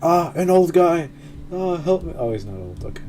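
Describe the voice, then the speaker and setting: A woman's voice: lowish voice, big pitch swings, moderate pace, warm tone, slight background noise. A woman streaming a game with casual, flippant, sweary commentary. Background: game music.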